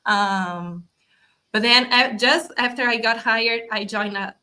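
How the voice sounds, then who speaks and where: A young woman with a Brazilian accent, her voice bright and slightly high. She talks in an upbeat, chatty way as a guest, with frequent fillers. Casual interview tone. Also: steady tone, slow. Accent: Brazilian Portuguese. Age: young adult. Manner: upbeat, many fillers and restarts. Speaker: guest, automation specialist.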